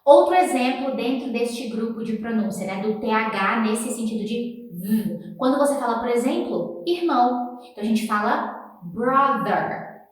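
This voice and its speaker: A woman teaching English pronunciation, explaining and then slowly repeating words for the viewer to copy. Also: on the high side, expressive, darkish tone. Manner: encouraging, talks straight to the viewer. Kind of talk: pronunciation lesson with drills. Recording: echoey room, voice from a distance.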